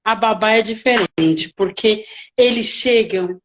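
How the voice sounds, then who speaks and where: A woman working as a nanny, telling stories in a casual interview with lively, emotional reenactments. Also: medium pitch, takes it slowly.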